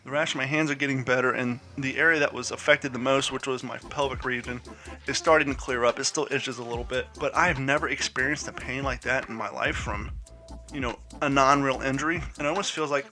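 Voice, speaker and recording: A man's voice: mid-range voice, steady tone, a little fast, bright, forceful tone, soft background music. A man hosting his own podcast, telling a rambling personal story in a chatty, self-deprecating way while stuffed up with a head cold. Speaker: podcast host. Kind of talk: casual solo podcast monologue. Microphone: podcast mic.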